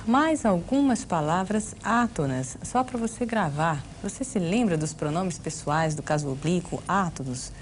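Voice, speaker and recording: Brazilian grammar teacher, woman, lowish voice, didactic, faint hiss behind. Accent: Brazilian Portuguese. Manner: didactic, explaining with rhetorical questions. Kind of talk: video lesson for exam prep.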